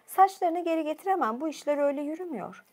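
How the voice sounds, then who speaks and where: A woman's voice: sits high, animated, fast, darkish tone, voice pushed up. A woman voicing a mischievous male trickster god who talks his way out of trouble. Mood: pleading. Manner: glib, wheedling, excuses himself.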